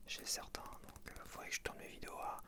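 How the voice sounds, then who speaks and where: A man whispering casual ASMR from his apartment, soft throughout, with grumbling asides. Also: brisk. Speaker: ASMR creator.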